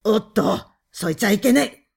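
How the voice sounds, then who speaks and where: A woman voicing a gruff, menacing older tavern keeper. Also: medium pitch, lively intonation, moderate pace. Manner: rough, coarse, slurred working-class speech.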